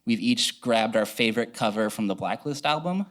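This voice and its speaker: A man's voice: lowish voice, lively intonation, normal speed, a bit bright. A man co-hosting a live podcast in front of an audience, casual and joking. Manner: casual, jokey. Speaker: podcast co-host. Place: live event space with audience.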